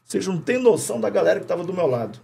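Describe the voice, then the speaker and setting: A middle-aged man from Rio de Janeiro with a Carioca accent, telling animated anecdotes full of slang, swearing and laughter as a podcast guest. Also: high-pitched, racing, creaky, a little hiss or hum. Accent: Carioca Portuguese. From Rio de Janeiro, Brazil. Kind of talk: casual chat, storytelling. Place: podcast studio.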